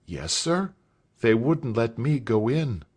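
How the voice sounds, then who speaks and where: A man's voice: mid-range voice, sing-song, slow, darkish tone, pitched above the performer's own voice. A man reading aloud voices a nervous, earnest teenage schoolboy who speaks hesitantly.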